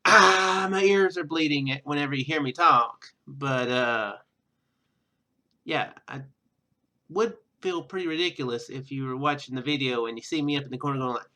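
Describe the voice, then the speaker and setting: A man giving casual gameplay commentary in a halting, rambling, self-deprecating way. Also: fairly high pitch, pushed and bright. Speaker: let's player. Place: indoor room at home.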